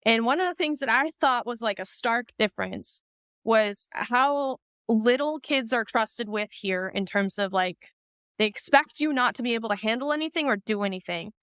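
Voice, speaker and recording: Podcast host lady, high pitched and crisp, talks thru ideas w asides, dry mic. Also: normal speed, no echo. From Iceland. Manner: chatty, lively, talks through ideas with asides. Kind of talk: casual conversation.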